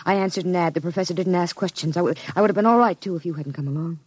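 A woman's voice: on the low side, racing, darkish tone, husky, no echo. An actress playing a frightened young woman, a gangster's former girlfriend, who speaks tensely and fearfully in a vintage radio drama. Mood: pleading. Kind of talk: 1940s radio acting.

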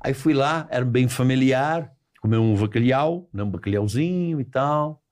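A man with a Brazilian accent excitedly telling a funny anecdote on a podcast, mimicking other people's voices. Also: medium pitch, moderate pace. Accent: Brazilian Portuguese. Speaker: podcast co-host. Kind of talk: casual storytelling chat.

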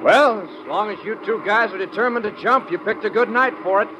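An actor playing an easygoing American pilot with a casual, laconic manner in a 1950s radio drama. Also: male voice, sits high, brisk, close to an everyday voice. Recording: dull, noisy old radio recording.

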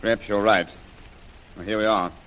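A bright, forceful army colonel, voiced by an actor, speaks in clipped, authoritative tones in an old radio serial. The recording carries a faint vintage hiss. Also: male voice, on the low side, fairly even intonation, moderate pace, lightly acted, low-quality recording. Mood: measured. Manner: clipped, authoritative, barks orders. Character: commanding army colonel leading tank squadron. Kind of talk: 1930s radio drama acting.

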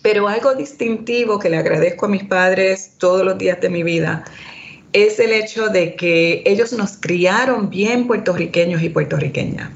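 A woman's voice: mid-range voice, moderate pace, gravelly. A woman who grew up in Boston, speaking as an academic panelist in a hesitant, reflective way, dropping into English now and then. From Boston, United States. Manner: hesitant, fillers, slips into English. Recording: slightly dull lo-fi audio.

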